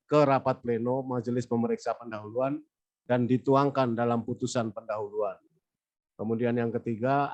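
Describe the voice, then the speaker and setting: A man's voice: medium pitch, darkish tone, highs cut off. A man with a cold presenting at a weekly discussion, reading formal legal procedures aloud from slides and moving through them point by point. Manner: reads formal legal text, says next slide between points. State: has a cold.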